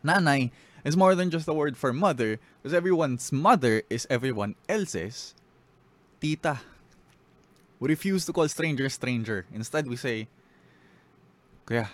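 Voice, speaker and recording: A man with a Filipino accent, a spoken word poet on a podcast, switching between English and Filipino. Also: medium pitch. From Philippines. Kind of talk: casual podcast talk and spoken word poetry reading.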